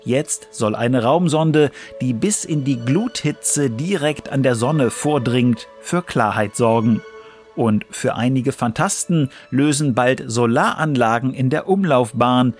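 Guy narrating a science radio doc from a script, normal pitch, bit of music behind. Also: takes it slowly.

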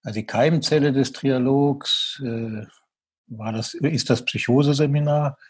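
An older man, a psychiatry professor, answering an interview in a measured way with some hesitant fillers. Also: medium pitch, breathy edge, no room sound.

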